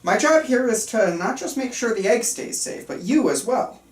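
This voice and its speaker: A woman with a higher, expressive voice reads a film script at a table read, lightly acting the part of an earnest, controlling male psychiatrist. She's calm, clinical and insistent at a moderate pace, stumbling slightly; the distant mic picks up a roomy sound and faint room noise.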